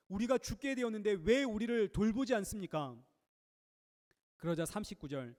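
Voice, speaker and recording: A male pastor delivering a sermon in earnest, expressive preaching, lifting his voice to act out the scripture passages he quotes. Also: high-pitched. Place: church sanctuary. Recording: long reverb of a church hall.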